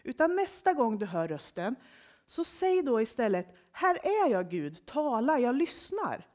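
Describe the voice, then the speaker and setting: Woman doing a tired old priest. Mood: instructing. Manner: calm, lowered voice. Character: old, half-blind priest, tired and patient.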